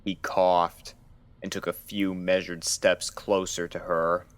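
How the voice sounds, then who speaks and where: Male narrator for scripted fiction, low-pitched voice, storytelling delivery. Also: little pitch movement, takes it slowly, smooth.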